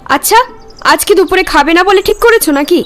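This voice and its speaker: Woman acting high-pitched nagging wife. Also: brisk, a bit bright, faint music behind. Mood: exasperated. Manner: scolding. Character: nagging, exasperated wife looking after her husband. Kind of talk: domestic cartoon dialogue.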